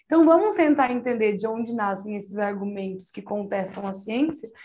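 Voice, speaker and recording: A woman's voice: medium pitch, moderate pace, a little mellow. Woman host agreeing and building on a guest's point. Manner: affirming and engaged. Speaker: interview host. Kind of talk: conversational interview.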